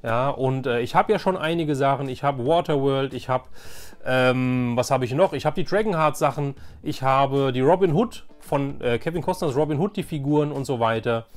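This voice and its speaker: A man's voice: medium pitch, moderate pace, faint music behind. A man hosting a casual show-and-tell collecting vlog, enthusiastic and rambling, often repeating himself. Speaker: host of a toy collecting channel.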